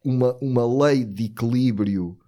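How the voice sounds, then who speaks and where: A man with a European Portuguese accent talking casually, in a halting, reflective and slangy way. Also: medium pitch, dark tone. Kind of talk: casual conversation.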